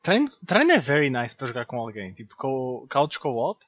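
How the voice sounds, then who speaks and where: A man with a European Portuguese accent, co-hosting a casual gaming podcast over a degraded, half-robotic remote call, relaxed and mixing in English slang. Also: mid-range voice, moderate pace, slightly rough, dry recording. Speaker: podcast co-host. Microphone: remote call from outside the studio. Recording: dull lo-fi remote line.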